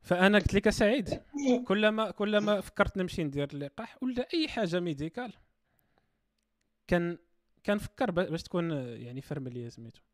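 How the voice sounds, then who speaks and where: A higher-voiced man with a Moroccan Arabic accent banters casually in a dry, close sound. His delivery is animated and quick, jokey, with French words dropped in like a podcast co-host among friends. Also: no echo.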